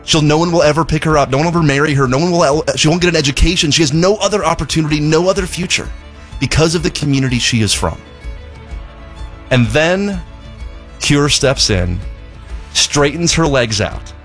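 A man's voice: fairly high pitch, brisk, a bit bright, soft background music. A man from Zimbabwe, a charity spokesman, telling a heartfelt story in a radio fundraising appeal, often repeating words as he goes.

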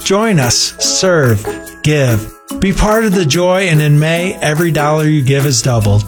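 A man's voice: fairly high pitch, lively intonation, measured pace, over music. Earnest man in a charity radio appeal. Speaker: charity executive director.

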